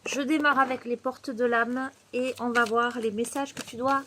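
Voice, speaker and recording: A woman's voice: a little high, steady tone, moderate pace, sharp tone. A woman from Marseille with a southern French accent, chatting casually to the viewer while giving a tarot reading outdoors on a terrace. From Marseille, southern France. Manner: chatty, laughs often, addresses viewer directly. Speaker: tarot reader. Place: outdoor terrace on a windy day. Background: faint wind noise.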